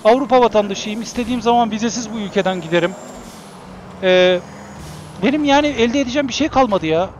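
A man in his forties chatting bluntly while playing a game, swearing freely and breaking into excited shouts. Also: sits high, quick pace, a little hiss or hum. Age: 40s. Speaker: gaming streamer. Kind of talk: casual gameplay commentary.

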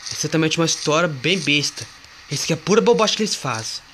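A man's voice: on the high side, fast, a little hiss or hum. A man casually commenting on a horror game as he plays, talking to viewers and a friend, yelping at scares. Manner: excitable, yelps at jump scares, talks to viewers and a friend. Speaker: gamer playing a horror game.

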